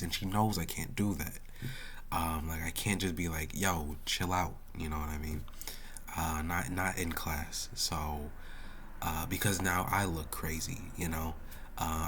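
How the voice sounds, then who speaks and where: Very deep, flat-toned young man, under the weather. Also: slight background noise. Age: young adult. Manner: halting, slangy, conversational. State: sick with sore throat, voice going hoarse. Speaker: college student vlogger. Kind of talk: casual rambling personal vlog.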